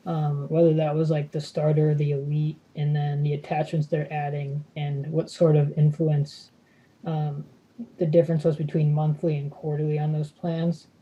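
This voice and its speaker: Dark, husky, low-pitched female analyst. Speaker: financial analyst asking questions. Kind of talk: hesitant spoken questions. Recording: muffled conference call line.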